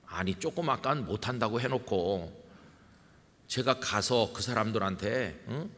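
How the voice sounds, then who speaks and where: A man's voice: fairly low pitch, lively intonation, measured pace, fairly bright tone. A man pastor giving a conversational sermon, asking his congregation questions and acting out quotes. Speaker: senior pastor. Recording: long reverb of a church hall.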